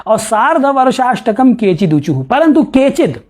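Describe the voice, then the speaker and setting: A male professor lectures on a classical astronomy text, reading verses slowly before unpacking them through rhetorical questions and chuckled asides. His voice is very high and swings widely in pitch.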